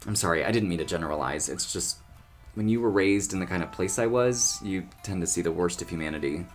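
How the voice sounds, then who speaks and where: A man playing a sardonic yet apologetic male cryptid with a flamboyant streak, expressive and wordy, in an audio drama. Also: low voice, a little fast, faint music behind, close to an everyday voice.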